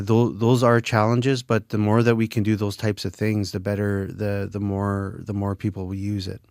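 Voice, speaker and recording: A man in his fifties from Manitoba, a former French immersion teacher, answering radio interview questions in an earnest, halting way with many filler sounds. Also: lowish voice, a little mellow, dry recording, clean studio sound. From Manitoba, Canada.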